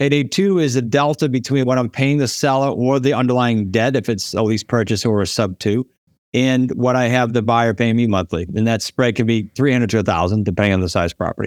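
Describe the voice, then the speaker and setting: Speaking at a very fast pace with hardly any pauses, a man with a New England accent keeps a medium pitch, ordinary pitch variation and very even loudness. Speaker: real estate investor and author. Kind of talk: casual interview chat. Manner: fast talker.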